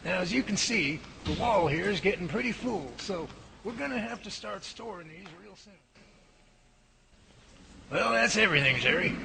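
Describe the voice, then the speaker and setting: Man acting a high-pitched, creaky professor. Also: background noise. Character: composed, patient male professor leading a research team. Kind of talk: amateur radio drama acting.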